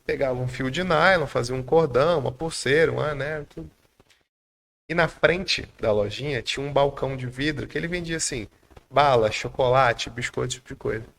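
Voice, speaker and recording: Podcast guest, Brazilian man, mid-range gravelly voice, animated storyteller who acts out dialogue. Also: mid-range voice, a little fast. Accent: Brazilian Portuguese.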